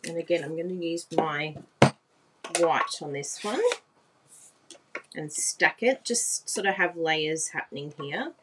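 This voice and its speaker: A woman's voice: low voice, slow, pauses often, background noise. A woman, chatting through a live craft demonstration, exclaiming and laughing often and asking viewers if they agree. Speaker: papercraft demonstrator. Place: indoor craft room at a desk.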